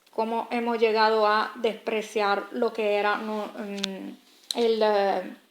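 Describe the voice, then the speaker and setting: A woman's voice, fairly high in pitch. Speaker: video blogger. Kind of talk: casual monologue. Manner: hesitant, many fillers.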